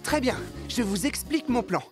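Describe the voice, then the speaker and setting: A woman voicing a hapless, chatty young character in a children's cartoon dub, expressive and melodramatic. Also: on the high side, moderate pace, music in the background, lightly acted. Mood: matter-of-fact.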